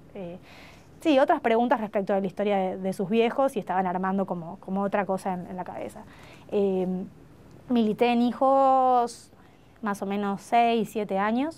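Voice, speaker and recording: This woman has a dark, mellow tone. Her pitch varies in an ordinary way. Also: medium pitch for a woman, moderate pace. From Argentina, Buenos Aires. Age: 30s. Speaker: sociologist and education program coordinator; interviewee. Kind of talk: testimony interview. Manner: halting, many fillers. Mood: earnest, reflective. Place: studio.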